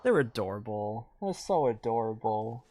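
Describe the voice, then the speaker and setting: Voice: mid-range voice, big pitch swings, normal speed, dark tone, slight background noise. A game streamer giving casual, reactive playthrough commentary, thinking aloud and reading game text. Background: game music.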